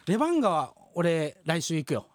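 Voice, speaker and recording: A man's voice: on the high side, sing-song, moderate pace, no echo. A male radio host who jokes and teases in casual chat, and also reads the news. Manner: playful, teasing, chatty.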